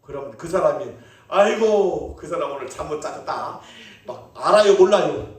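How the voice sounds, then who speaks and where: A man preaching a sermon as pastor, playful and animated, calling out questions to his congregation. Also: fairly high pitch, moderate pace, distant mic. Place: church sanctuary. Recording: echoey church hall, mic from afar.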